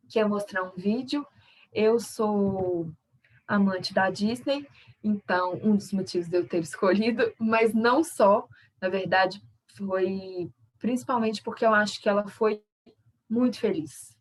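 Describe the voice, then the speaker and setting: A woman with a Brazilian Portuguese accent, a sign language interpreter, teaches an online workshop in a conversational, explanatory style, often using tag questions. Her medium-pitched voice is unhurried and sounds far from the mic on a low-quality recording.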